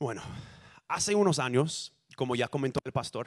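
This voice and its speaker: Recorded very cleanly against a silent background, the dry, close sound carries no echo as the speaker uses lively intonation at a moderate pace with an American accent. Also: man. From US Midwest (Elkhart, Indiana). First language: English (speaking Spanish). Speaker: lay preacher and high school Spanish teacher. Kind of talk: sermon. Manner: halting.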